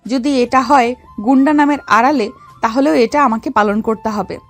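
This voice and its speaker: Lady playing a bold young gangster girl, really high voice, bossy but loving, story drama w/ music. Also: moderate pace, close to an everyday voice. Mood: tender, determined. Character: bold young female gangster don, secretly an undercover officer. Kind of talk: dramatized audio love story. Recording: music under the voice.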